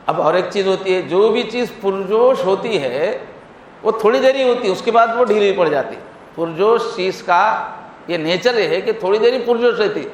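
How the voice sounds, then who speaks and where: A male Islamic scholar giving a Friday sermon, explaining with vivid everyday examples. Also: sits high. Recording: echoey hall, faint noise.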